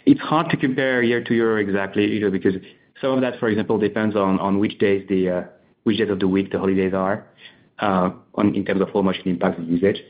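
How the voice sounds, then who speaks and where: Male executive, fairly low, conversational and halting earnings-call answers, phone-band sound. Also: steady tone. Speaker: company executive answering analysts. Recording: tinny phone-like conference line.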